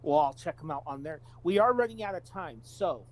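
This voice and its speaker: A man's voice: a little high, expressive, brisk, poor audio. A man hosting a podcast in a casual, conversational style. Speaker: podcast host.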